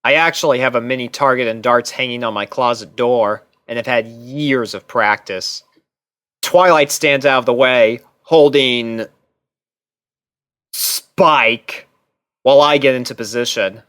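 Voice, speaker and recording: A man's voice: medium pitch, measured pace, fairly bright tone, clear, resonant tone, dry recording, studio quality. A man reading scripted first-person fiction aloud as a story narrator. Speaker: narrator and reader.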